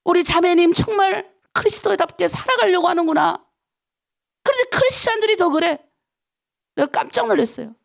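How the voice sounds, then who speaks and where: Lively high-voiced woman pastor preaching. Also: creaky. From North Korea. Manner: lively, emphatic, talks to the congregation with rhetorical questions. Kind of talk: dawn prayer sermon.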